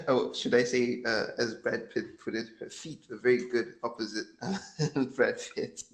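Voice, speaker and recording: A man's voice: mid-range voice, fairly even intonation, unhurried. A man co-hosting a casual podcast chat, teasing and sarcastic in his banter. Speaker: podcast co-host.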